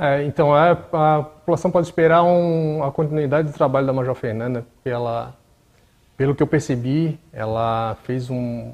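Fairly even intonation and a fairly slow pace from a man. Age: 30s. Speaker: fire brigade commander. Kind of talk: interview. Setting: studio. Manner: halting. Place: studio. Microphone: lapel.

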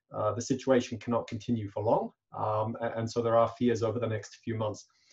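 Here a man talks at medium pitch. His pace is fairly quick. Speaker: business consultant. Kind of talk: panel discussion. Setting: video call.

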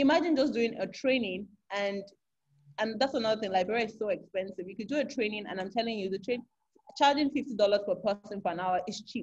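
At a very fast pace, a woman speaks with a fairly high pitch, ordinary pitch variation and a somewhat breathy sound. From Nigeria, Lagos. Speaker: market research entrepreneur. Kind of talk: interview. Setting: video call. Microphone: video call.

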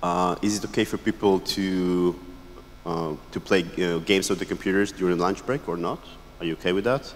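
A man speaks with a very deep, low pitch and fairly even intonation. His pace is fairly quick, with light background noise behind him. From Israel. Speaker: entrepreneur; conference speaker. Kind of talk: conference talk. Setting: stage with audience. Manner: halting. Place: stage.

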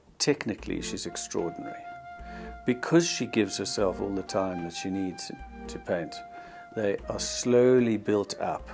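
Long, frequent pauses break up a man's speech, with clear music in the background. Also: moderate pace. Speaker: gallery owner. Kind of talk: interview answer. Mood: admiring, thoughtful. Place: home room.

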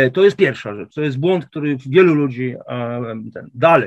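Against a quiet background, a man talks at a moderate pace in an unremarkable speaking voice. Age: 50s. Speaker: political commentator. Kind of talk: political discussion. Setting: studio.

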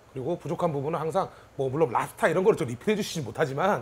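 A man at a very fast pace with lively intonation. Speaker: food reviewer. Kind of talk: casual vlog chat. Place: cafe.

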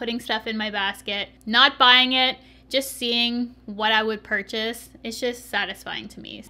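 Her tone is bright and sharp. The woman speaks with monotone, flat intonation. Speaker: beauty vlogger. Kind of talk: casual vlog chat. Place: home room.

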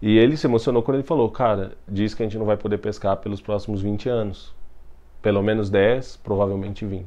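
This man's fairly low voice has a dark, mellow tone. He moves at a fairly quick pace with fairly even intonation. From Brazil, Minas Gerais. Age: 20s. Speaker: journalist and photographer; journalist. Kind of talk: interview testimony. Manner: casual, hesitant with fillers. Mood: moved, reflective storytelling. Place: home room.

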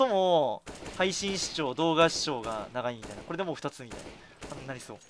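Over light background noise, a man with an unremarkable speaking voice, fairly high for a man, talks at a fairly quick pace with big swings in loudness. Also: lively intonation. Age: 20s. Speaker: game streamer. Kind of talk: casual chat. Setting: live stream. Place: home room.

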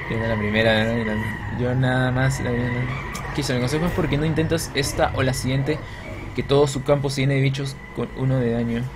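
A medium-pitched man at a moderate pace, fairly even in intonation, with noticeable background noise. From Peru. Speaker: video game streamer. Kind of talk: live gameplay commentary; casual gameplay commentary. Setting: live stream reading chat. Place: home room.

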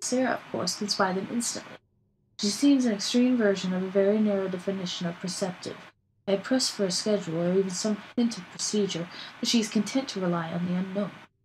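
In a somewhat breathy voice of medium pitch, a woman talks at a very fast pace with ordinary pitch variation. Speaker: gamer. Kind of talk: reading game codex entries aloud.

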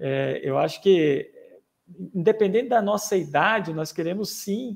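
A man's high-pitched voice moves fairly slowly, its pitch varying in an ordinary way. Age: 40s. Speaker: exercise physiologist hosting online health talk. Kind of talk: live online talk.

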